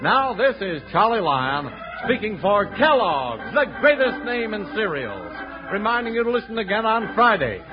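A man works as an old-time American radio announcer, pitched high and very lively. His delivery is polished and emphatic. Organ music plays behind him on a dull vintage broadcast recording. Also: moderate pace.

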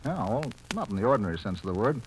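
Casting: intense, uneasy 1940s radio doctor, lowish, very expressive, old recording. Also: male voice, racing, low-quality recording. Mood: earnest, uneasy. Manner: earnest, intense, dramatic. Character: earnest, unsettled male hospital doctor, open to the uncanny. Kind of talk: 1940s radio drama acting. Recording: vintage radio recording, faint noise.

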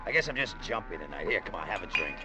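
An actor playing a down-on-his-luck male gambler who talks gruff, streetwise slang, in a 1950s radio drama. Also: low-pitched, very animated, fast, music in the background. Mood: sullen. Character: down-on-luck male gambler, bitter tough talker. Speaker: lead and narrator.

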